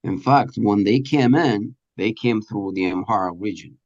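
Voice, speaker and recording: A man being interviewed, explaining earnestly in a halting, deliberate way with pauses mid-sentence. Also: lowish voice, a little mellow, lo-fi sound. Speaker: radio presenter and producer being interviewed.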